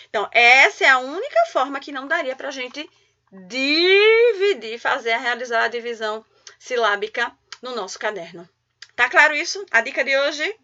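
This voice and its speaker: A woman teaching a children's video lesson, drawing out syllables in a lively classroom voice. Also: high-pitched, lo-fi sound. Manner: lively, syllable-stretching teacher talk to kids.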